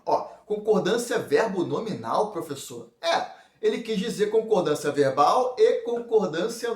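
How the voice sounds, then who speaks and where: A man's voice: high-pitched, far from the mic. A man with a Brazilian Portuguese accent teaching an exam prep lesson, explaining each point step by step and checking in with his students. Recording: echoey room, voice a bit off mic.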